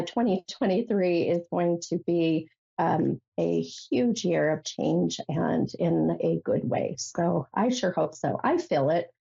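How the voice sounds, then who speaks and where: Lady radio psychic, stuffy nasal head cold, mellow low voice, rambles w lots of ums. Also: creaky, husky, muffled recording. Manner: rambling, chatty, many fillers and restarts. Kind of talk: casual call-in radio monologue.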